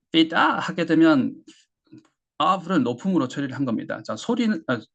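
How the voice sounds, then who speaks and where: A man teaching English pronunciation in a classroom lesson. He drills short phrases and repeats them slowly for the class. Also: medium pitch, gravelly, breathy edge.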